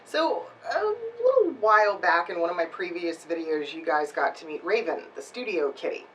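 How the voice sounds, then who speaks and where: A woman's voice: lowish voice, sing-song, normal speed, far from the mic, a little hiss or hum, low-quality recording. A woman giving instructional tips to camera as a voice-over coach and host, emphatic and speaking directly to her viewers. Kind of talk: instructional video talk to camera.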